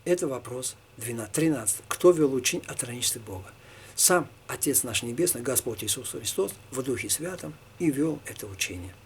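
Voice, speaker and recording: A man, a Tatar native speaker, answering religious questions one by one in a halting, informal way. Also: medium pitch, expressive, a little hiss or hum. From Tatarstan, Russia. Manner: halting, with many fillers and restarts.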